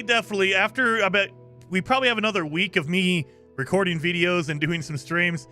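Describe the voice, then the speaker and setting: Here a man's high-pitched, pushed, bright voice carries a casual live stream of gameplay and chat. He stays upbeat and talkative, naming viewers to thank them and explaining how the game works, his voice slightly scratchy from days of streaming.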